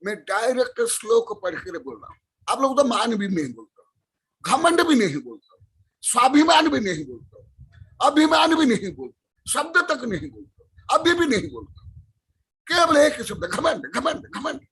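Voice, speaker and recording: Husky high-voiced older man preaching. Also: sing-song, moderate pace. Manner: emphatic, repeats phrases, shouts key words, chants verses. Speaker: Jain acharya preaching. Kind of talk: sermon. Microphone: online webinar stream.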